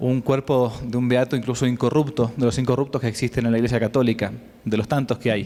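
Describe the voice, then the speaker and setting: The speaker talks very fast in an Argentine accent. The tone is dark and mellow, the intonation flat and monotone. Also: man. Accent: Argentine Spanish (Rioplatense). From Argentina. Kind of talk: informal lecture. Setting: conference talk with audience and slides.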